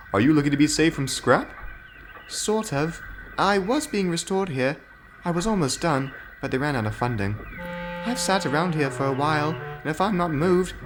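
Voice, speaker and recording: A man voicing Rebecca, a soft, anxious girl engine. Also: on the high side, background noise, voice pushed up, lightly acted. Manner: soft, worried and polite. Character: gentle young female steam engine. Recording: background music.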